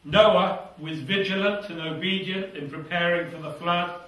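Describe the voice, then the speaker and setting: Older British preacher in an echoey hall. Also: male voice, sits high, steady tone, a little slow. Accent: British English. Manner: earnest, fervent, drops voice to a hush at phrase ends. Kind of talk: sermon with scripture reading. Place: small church hall with seated congregation. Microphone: lapel mic. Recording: echoey hall, somewhat far from mic.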